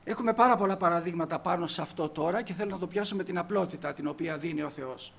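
A man's voice: high-pitched, creaky. A man preaching a sermon emphatically, putting rhetorical questions to the congregation.

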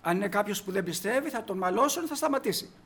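Male preacher with a high voice, delivering a sermon with force and rhetorical questions. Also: lively intonation, gravelly, fairly bright tone, husky. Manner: emphatic, asks the congregation rhetorical questions.

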